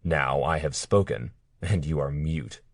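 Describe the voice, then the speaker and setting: A man voicing a cold, menacing male captor in an audiobook, speaking quietly and mockingly. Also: a bass voice, a little slow, vocal fry, dry recording, clean studio sound, exaggerated voice. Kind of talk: audiobook character reading.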